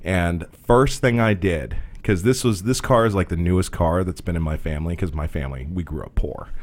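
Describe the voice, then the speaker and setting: A man telling a profane, animated story in casual podcast chat. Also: low voice, fairly quick. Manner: animated, profane, laughs a lot. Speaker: podcast host.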